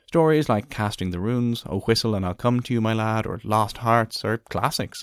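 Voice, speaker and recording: Deep-voiced man narrating, slightly gravelly. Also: no echo, clean studio sound. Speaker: podcast host and narrator. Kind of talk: scripted documentary narration.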